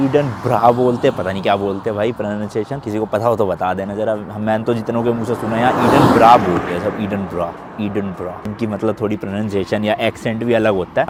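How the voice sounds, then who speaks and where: Chatty Indian man vlogging by a highway. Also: noisy background. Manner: chatty, addresses viewers as brother. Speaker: travel vlogger. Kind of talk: casual vlog chat. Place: outdoors at a highway lay-by with traffic passing.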